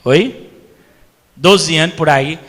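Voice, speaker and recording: A male pastor from Brazil, preaching a sermon as animated storytelling and acting out voices. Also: fairly high pitch, slow, in a large hall. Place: church hall.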